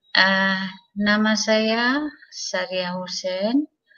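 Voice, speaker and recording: A woman talks with ordinary pitch variation. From Singapore, Malay-speaking. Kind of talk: testimony. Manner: halting, many hesitations.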